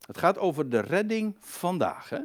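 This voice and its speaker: A man delivers a sermon in a fairly high, very animated voice. He stresses key words loudly and high, then drops low and soft for asides, with frequent fillers and restarts along the way. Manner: emphatic, swinging from loud high stresses to quiet low asides; halting, with many fillers and restarts. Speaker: preacher.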